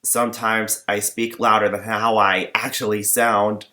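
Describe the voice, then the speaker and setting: A young man rambling in a personal vlog, talking in a flat monotone with many fillers and false starts. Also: lowish voice, unhurried. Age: young adult. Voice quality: limited, flat range. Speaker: vlogger.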